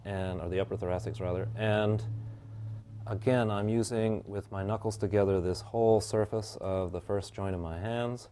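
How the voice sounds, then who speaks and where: A man teaching a hands-on bodywork class, explaining each step calmly and guiding his client's breathing slowly. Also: lowish voice, slight background noise. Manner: calm, measured explanation with slow guiding instructions. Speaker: bodywork instructor.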